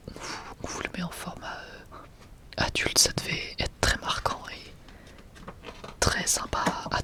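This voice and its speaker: An ASMR creator whispers breathily, close to the mic, rambling casually and enthusiastically and often correcting themselves.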